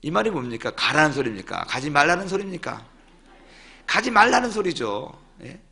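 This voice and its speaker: A man's voice: a little high, big pitch swings, fairly quick, vocal fry, pushed and bright. A male pastor giving a sermon in a playful storytelling manner, reading verse aloud in several regional dialects.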